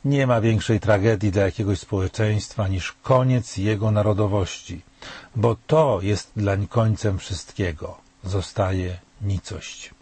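Older male commentator, dark and husky, measured and solemn delivery. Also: fairly low pitch, fairly even intonation, dry recording. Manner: measured, grave, rhetorical questions. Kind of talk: scripted spoken commentary.

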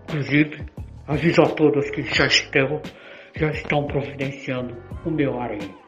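A man's voice: mid-range voice, moderate pace, a bit bright, natural voice. Boastful Brazilian womanizing dad, acted by an older man, radio drama, roomy lo-fi sound. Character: boastful womanizing father wooing many women. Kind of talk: amateur radio drama acting. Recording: echoey, dull lo-fi audio with music.

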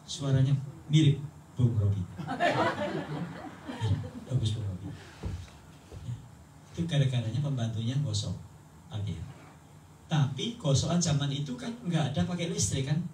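A man's voice: mid-range voice, lively intonation, normal speed, long pauses, noisy background. A man preaching a chatty, humorous sermon as pastor, mixing in English phrases. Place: church sanctuary. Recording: echoey church from far off.

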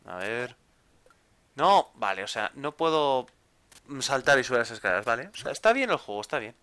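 Lively chatty man gaming. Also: medium pitch, moderate pace, smooth. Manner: chatty, exclaiming, repeats words when stuck. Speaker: gameplay video host. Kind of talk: casual gameplay commentary.

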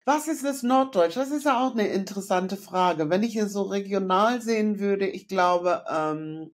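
A woman's voice: mid-range voice, moderate pace. Reflective middle-aged woman on a video call. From northern Germany. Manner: reflective, frequent fillers and self-corrections. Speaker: guest. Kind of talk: casual conversational interview. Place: indoor room at home.

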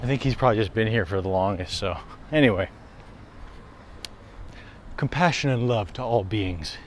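A man's voice: fairly low pitch, normal speed, slight background noise. A man, chatting casually while walking down a residential street, camera held at arm's length, swearing freely and laughing at himself. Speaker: wellness vlogger. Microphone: handheld camera at arm's length.

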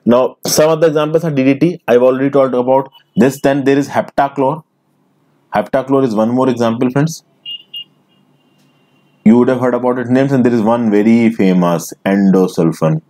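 A man's voice: mid-range voice, moderate pace, dark tone. A man with an Indian English accent teaching a recorded lesson, explaining step by step and often calling his listeners friends. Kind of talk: recorded screen lecture.

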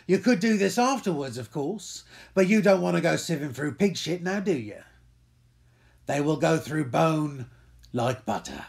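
A man's voice: fairly high pitch, gravelly. A man playing a cold-blooded gangster in a dramatic monologue, speaking with matter-of-fact menace. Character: menacing, cold-blooded male gangster boasting of feeding bodies to pigs. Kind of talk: dramatic monologue for voice-over demo.

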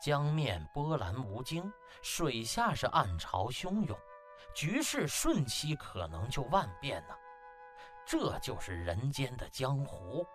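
A man's voice: mid-range voice, huge pitch swings, slow, fairly bright tone, faint music behind. A man narrating an audiobook as dramatic scripted storytelling, in a theatrical, emphatic manner.

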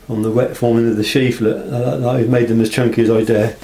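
Male craftsman, understated and halting, casually presenting handmade work on a camera mic with noticeable background noise. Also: medium pitch, little pitch movement. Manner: hesitant, unscripted, understated. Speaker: knife maker presenting work. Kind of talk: casual workshop show-and-tell. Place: small block-walled workshop.

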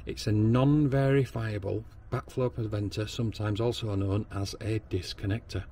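Speaking at a moderate pace in a fairly low, warm, steady voice, a Northern English plumber and backflow tester demonstrates plumbing at a workshop bench. He talks through each step with lots of ums and restarts, and there's slight background noise.

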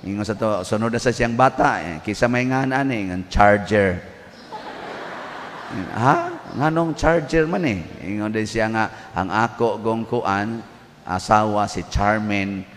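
A Cebuano-accented priest delivers an unhurried, joking homily, telling stories with lively asides. His voice rings out with a long echo through a big church, over a faint hum. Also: on the low side. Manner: joking storyteller, animated asides. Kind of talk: humorous homily. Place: large church. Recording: distant voice with long hall reverb, faint background noise.

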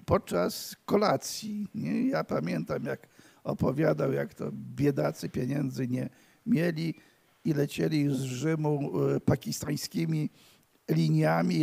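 An older man tells stories to an audience at a library event, wandering from one anecdote to the next and stumbling over his words. His voice is rough and gravelly, with a husky, unpolished edge and a slightly raised pitch for a man. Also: darkish tone. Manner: rambling, with many restarts, stammers and asides to the audience. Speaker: guest of honour speaking at his tribute evening.

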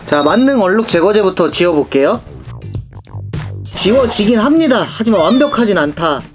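A man's voice: sits high, big pitch swings, normal speed, faint music behind. A young man hosting a product test video, explaining things to viewers in a casual, conversational and polite way. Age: young adult. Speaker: product review video host.

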